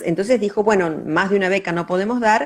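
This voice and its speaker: Here a woman speaks with a Córdoba Argentine accent. Her pitch is medium. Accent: Cordoba Argentine Spanish. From Córdoba, Argentina. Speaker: dancer and choreographer. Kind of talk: interview answer. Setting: video call.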